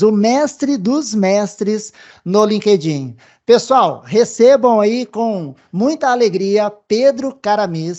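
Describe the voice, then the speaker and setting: A man's voice: sits high, highs cut off. A man hosting an interview show with a Brazilian accent, speaking to the audience in an upbeat, welcoming way. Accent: Brazilian Portuguese. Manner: warm, upbeat, addresses the audience directly. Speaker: podcast host.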